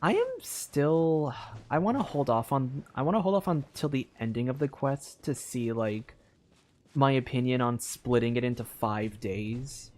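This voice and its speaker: A young man streaming a story game, thinking out loud in a loose, rambling way with lots of filler words and restarts. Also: mid-range voice, measured pace. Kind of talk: casual live-stream commentary.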